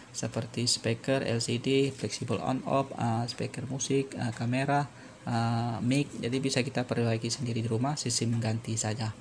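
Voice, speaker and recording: A man presenting an unscripted step-by-step repair tutorial, halting and repetitive as he explains. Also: medium pitch, a little hiss or hum.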